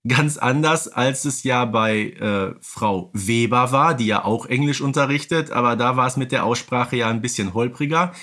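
Casual mid-pitched male podcast host. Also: moderate pace, hardly any pauses, fairly bright tone. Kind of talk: casual fan discussion.

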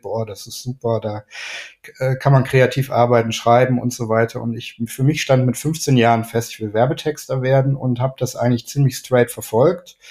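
A middle-aged man from Düsseldorf chats as a guest in a podcast interview. He talks in a loose, rambling way, full of fillers and restarts, in a voice of middle pitch. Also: darkish tone. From Düsseldorf, Rhineland. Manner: chatty, many fillers and restarts. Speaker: guest, ad man and gallery owner.

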